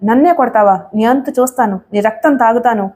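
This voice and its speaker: A menacing, arrogant villain man, as a woman reads him in an audio story. The voice is taunting and sneering, mellow in tone and pitched a little high. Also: brisk, close to an everyday voice. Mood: angry. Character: menacing young male villain, lustful and arrogant.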